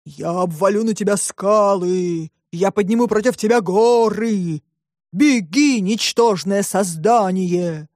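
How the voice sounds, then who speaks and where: A woman voicing a dull-witted forest monster that drags out short, muffled commands in a slow monotone. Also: mid-range voice, dry recording, studio quality, natural voice. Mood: menacing. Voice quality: muffled, drawn-out.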